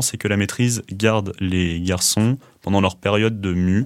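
A man talks in a fairly low voice with monotone, flat intonation. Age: 20s. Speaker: student opera singer. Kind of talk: interview testimony.

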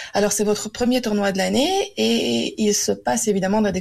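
Noticeable background noise sits behind a woman's voice. She speaks at a moderate pace and medium pitch. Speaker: radio host. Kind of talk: radio interview and presenting. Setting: studio.

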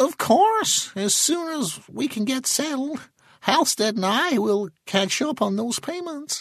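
Someone puts on a character voice with a high pitch and a fairly slow pace. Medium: read story.

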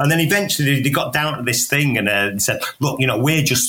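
Someone talks at a fairly quick pace with a Mancunian accent and ordinary pitch variation. Noticeable background noise runs underneath. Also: man. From Manchester, England. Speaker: radio presenter and music writer. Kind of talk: casual chat.

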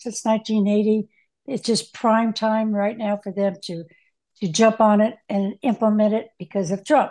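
A woman speaks at a fairly slow pace in a fairly high pitch, her tone dark and mellow and her intonation flat and monotone, over a quiet background. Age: 70s. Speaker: former convict turned activist. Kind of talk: casual interview.

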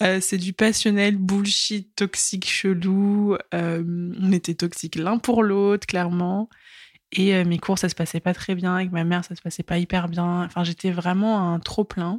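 A woman speaks at a medium pitch and a fairly slow pace in a flat monotone, recorded very cleanly against a silent background with a dry, close sound and no echo. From France, partly Lyon. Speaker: patient sharing experience. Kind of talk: testimony. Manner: casual, hesitant with fillers.

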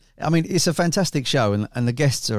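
A man talks at a very fast pace with lively intonation in an English accent, the sound dry and close with no echo. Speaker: podcast host. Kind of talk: casual interview.

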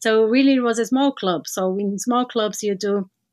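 A woman with a Brazilian accent, at a moderate pace with fairly even intonation, over a quiet background. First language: Portuguese. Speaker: physiotherapist and para sport classification manager. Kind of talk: interview.

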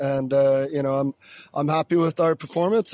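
A plain, everyday voice from a man with an American accent, fairly high in pitch, fairly quick, with fairly even intonation and a dry, close sound with no echo. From Florida, US. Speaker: amateur rugby coach. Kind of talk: post-match interview. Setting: outdoors outside a pub.

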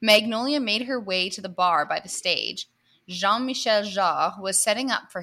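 Pitch shifts in an ordinary way in this natural reading voice. Nothing can be heard in the quiet background.

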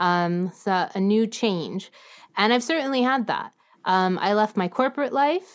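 A woman with an American accent speaks at a fairly slow pace in a plain, everyday voice. Her pitch is fairly high and her intonation lively. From Texas. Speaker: musician. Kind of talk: casual interview. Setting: remote call. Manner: laughs often.

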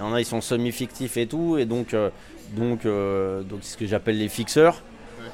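The speech moves at a moderate pace with ordinary pitch variation and big swings in loudness. Noticeable background noise is present. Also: man, medium pitch for a man. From Paris suburbs, Val-de-Marne. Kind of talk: interview. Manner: casual, hesitant.

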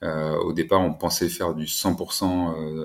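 A man is talking. His intonation is flat and monotone. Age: 40s. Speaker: company founder. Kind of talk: interview. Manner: hesitant with fillers.

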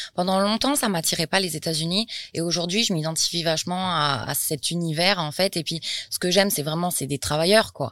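Using a plain, everyday voice, a woman talks at a fairly quick pace with ordinary pitch variation on a very clean recording with a silent background. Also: fairly low pitch for a woman. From New Caledonia. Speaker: lawyer and fitness entrepreneur. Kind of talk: casual interview. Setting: cinema hall.

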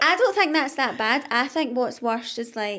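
Speaking in a Glasgow accent, a woman uses a high pitch with ordinary pitch variation at a moderate pace. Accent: soft Scottish, Glasgow-tinged. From Scotland. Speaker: podcast co-host. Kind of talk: casual chat.

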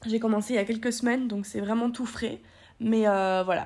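A woman with a fairly high pitch and ordinary pitch variation talks over a silent background in a very clean recording. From southern France, near Nice. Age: 20s. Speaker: podcaster. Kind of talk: personal audio diary monologue. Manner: hesitant, many fillers.

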